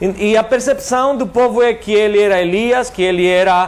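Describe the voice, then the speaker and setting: A man's high-pitched voice with a Spanish accent and ordinary pitch variation. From Mexico. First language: Spanish (speaking Portuguese). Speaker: pastor. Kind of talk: sermon. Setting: church convention. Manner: halting.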